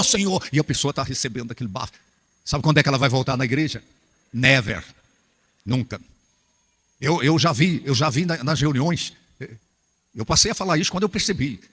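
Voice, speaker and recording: A Brazilian man preaching a humorous, animated sermon to church workers, acting out little scenes as he goes. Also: fairly high pitch, slightly rough, in a large hall. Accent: Brazilian Portuguese.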